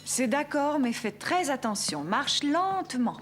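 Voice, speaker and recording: Gentle, lilting cartoon mom. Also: female voice, sits high, big pitch swings, unhurried, music in the background. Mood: gentle, guiding. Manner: gentle, reassuring. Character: kind, patient young mother of a small boy. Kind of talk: children's cartoon voice acting.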